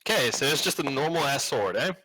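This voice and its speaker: A man's voice: mid-range voice, expressive, fast, noisy background. A man acting as game master, improvising tabletop game narration in a casual, sweary, slangy way.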